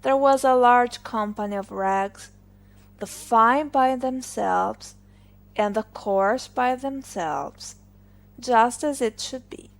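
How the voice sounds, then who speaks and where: A woman reads a scripted fairy tale as a storyteller for language learners. Her voice sits fairly high, and she goes slowly, one phrase at a time. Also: gravelly.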